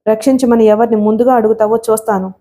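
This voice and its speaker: A woman's voice: a little high, little pitch movement, fast, dark tone, close to an everyday voice. A woman voicing an arrogant young male villain who taunts coldly in a storybook reading. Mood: gloating. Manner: taunting, cold and gloating.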